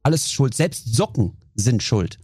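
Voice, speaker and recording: A man guesting on a podcast, telling lively stories in casual chat and briefly acting out his own outbursts. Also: mid-range voice, a little slow, husky, no echo, clean studio sound.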